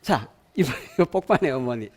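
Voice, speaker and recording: A man with a Gyeongsang accent giving an animated lecture to parents, often asking the audience questions and having them repeat lines after him. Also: medium pitch, fairly quick, slightly rough.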